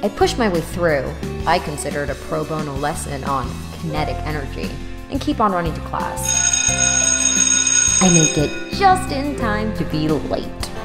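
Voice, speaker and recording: A broke, exasperated young woman telling her own story in an audio drama. Her delivery is sarcastic and self-deprecating, with highly animated pitch. The voice sits in a long reverb with music clearly behind it. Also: moderate pace. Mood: sarcastic, irritated. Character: snarky, exasperated 24-year-old woman, broke college student. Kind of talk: first-person audio drama narration.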